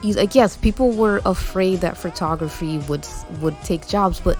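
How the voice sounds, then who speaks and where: A woman's voice with music in the background. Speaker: artist and animator. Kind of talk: casual talk to camera. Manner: angry ranting.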